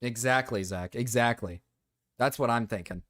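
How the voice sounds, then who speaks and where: A man's voice: medium pitch, normal speed, a bit bright. A man livestreaming in a casual, joking chat with viewers, often repeating his own phrases.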